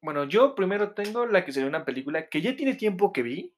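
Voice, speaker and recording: Fast-talking, joking Mexican guy. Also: sits high, sing-song. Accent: Mexican Spanish. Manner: fast, joking, crude banter. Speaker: podcast co-host. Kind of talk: casual chat.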